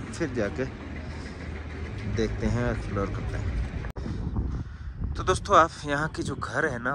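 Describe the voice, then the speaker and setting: A young man from Rajasthan talks to his viewers in a chatty, casual way, pointing out sights as he walks through a mountain village. His voice sits at an ordinary mid pitch. It is recorded on a phone at arm's length, with loud wind and passing traffic behind him. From Rajasthan, India. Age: young adult. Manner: chatty, points things out to viewers while walking. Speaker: travel vlogger. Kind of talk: casual travel vlog, talking to viewers. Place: outdoors in a mountain village by a road. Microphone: phone held at arm's length.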